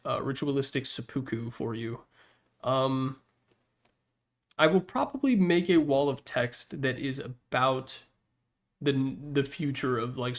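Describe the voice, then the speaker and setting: A man hosting a gaming video with casual, unscripted tier-list commentary, rambling along in a jokey, self-deprecating way. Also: mid-range voice.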